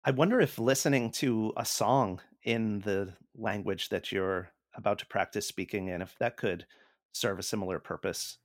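A man's voice: lowish voice, moderate pace, no echo, clean studio sound. A man hosting a podcast interview, steadily guiding the conversation with questions. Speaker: podcast host.

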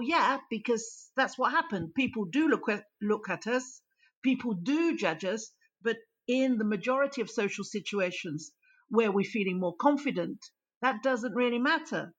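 A woman language teacher answering interview questions in a thoughtful, explanatory way. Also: a little high. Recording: muffled lo-fi line.

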